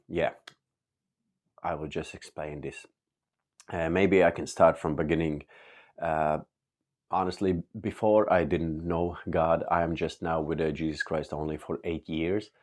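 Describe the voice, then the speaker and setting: Deep-voiced man giving testimony. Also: darkish tone. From Latvia. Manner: halting, with many uh and um pauses; earnest and open. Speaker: church member giving testimony. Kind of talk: personal testimony.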